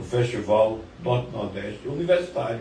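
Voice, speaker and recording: Audible room echo and noticeable background noise are both present. The man keeps a moderate pace. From Sergipe, Brazil. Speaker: judge. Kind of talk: interview, reminiscing.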